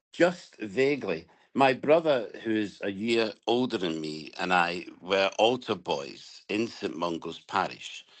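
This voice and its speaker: A man with a Scottish accent is speaking. His pace is very slow. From Scotland, Glasgow. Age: 60s. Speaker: interview guest. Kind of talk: interview.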